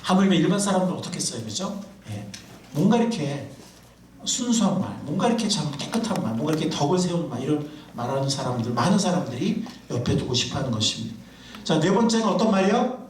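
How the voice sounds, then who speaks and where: A man preaching a sermon to a congregation, animated and quizzing his listeners. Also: a little high, fast, slight background noise. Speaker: pastor. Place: church sanctuary. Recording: echoey room, mic far off.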